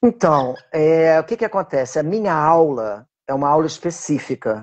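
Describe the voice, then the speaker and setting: A man in a normal speaking voice, fairly high in pitch, at a moderate pace. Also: lively intonation. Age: 60s. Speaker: dance teacher. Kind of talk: interview. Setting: live stream interview.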